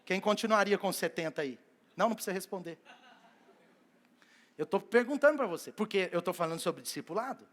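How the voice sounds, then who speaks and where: High-voiced, animated male preacher. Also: fairly quick, pauses often. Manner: animated storytelling that acts out biblical scenes. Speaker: pastor. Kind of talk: sermon. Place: church service.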